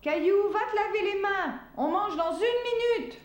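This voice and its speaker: A woman voicing an affectionate, brisk mother in a children's cartoon. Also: extremely high pitch, animated. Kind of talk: French children's cartoon dialogue. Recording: roomy echo, loud music underneath.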